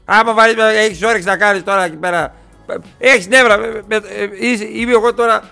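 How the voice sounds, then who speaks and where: A man playing a crude, rambling 47-year-old ex-truck driver in a comic interview, repeating himself and getting excitable. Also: high voice, creaky, clean tone, soft background music, exaggerated voice. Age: 40s.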